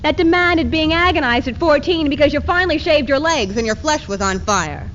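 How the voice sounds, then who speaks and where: High-voiced defiant feminist played by a woman, muffled tape. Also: animated, fairly quick, a bit bright. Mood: impassioned. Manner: emphatic, declamatory. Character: defiant feminist woman declaring her liberation and anger. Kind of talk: dramatic readers theater recitation. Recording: muffled 1970s archive tape with hiss.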